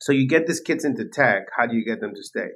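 A man's voice: mid-range voice, animated, fast talker, fairly bright tone. A man interviewing in a casual, conversational style, with an informal and blunt way of talking.

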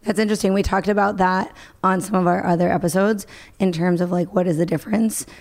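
A woman's voice: on the low side, steady tone, quick pace, darkish tone. A woman hosting a podcast interview, conversational as she asks thoughtful questions. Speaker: podcast host.

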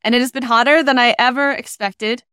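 A woman in her thirties from Iceland, a podcast guest telling stories about her career in a relaxed, chatty way over a video call. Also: fairly high pitch, fairly quick, clean tone, dry recording, studio quality. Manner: chatty, anecdotal, frequent "you know" fillers. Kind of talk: relaxed storytelling interview.

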